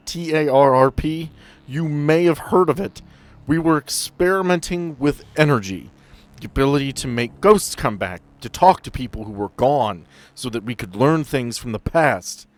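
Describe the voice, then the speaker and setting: A man's voice: medium pitch, lightly acted. A man voicing a panicked, trapped man who pleads for rescue over a crackling radio. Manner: pleading, frantic.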